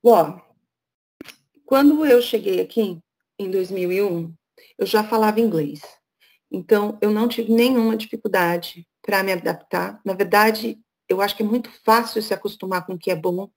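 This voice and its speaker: A woman's voice: medium pitch, moderate pace, a little mellow. A middle-aged woman from Brazil, speaking as a guest speaker over a video call, frank and chatty. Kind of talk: casual talk on a video call.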